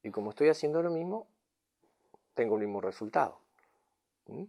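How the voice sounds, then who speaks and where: A man's voice: mid-range voice, animated, normal speed, vocal fry, warm tone. A man teaching as a spiritual guide and therapist in a reflective talk, often checking in with a questioning "mm?" or "no?". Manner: tags lines with questioning "mm?" and "no?" to check understanding.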